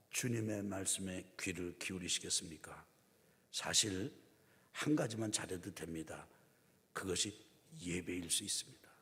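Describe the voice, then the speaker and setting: A male pastor preaching a conversational sermon, asking the congregation questions and acting out the people in his stories. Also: fairly low pitch. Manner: acts out quotes in shifting voices. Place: church sanctuary. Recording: long church reverb.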